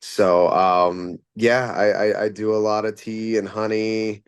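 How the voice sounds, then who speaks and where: Singer guy chatting in an interview, rambly with tons of ums, smooth clear voice. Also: lowish voice, little pitch movement, a little slow, dry recording. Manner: rambling, many fillers and restarts. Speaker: band frontman, singer. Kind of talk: casual interview answers.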